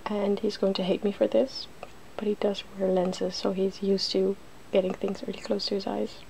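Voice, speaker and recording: Soft asmr lady, kinda creaky n mellow, drifts into whispers, bit of background noise. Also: mid-range voice, flat delivery, moderate pace, rough recording. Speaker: ASMR video host. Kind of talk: soft-spoken ASMR makeup demonstration.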